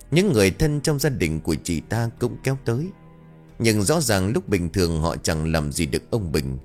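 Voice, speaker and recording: A man narrating a dramatic story in a steady storytelling voice. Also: fairly low pitch.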